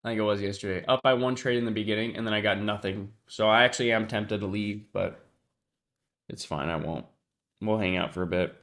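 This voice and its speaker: A man's voice: fairly low pitch, fairly quick, fairly bright tone. Stuffy-nosed man chatting through a live stream. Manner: thinks aloud, talks to chat, trails off. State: congested, sniffling. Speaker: livestream trader. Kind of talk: casual livestream commentary.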